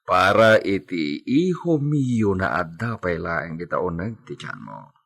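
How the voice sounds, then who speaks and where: A man playing a landowner husband who dotes on his wife, speaking softly and teasingly. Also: low-pitched, sing-song, a little slow, vocal fry, slightly rough, full character voice. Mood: tender. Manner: soft, doting, teasing. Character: landowner husband, tender and protective. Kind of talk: amateur audio drama acting.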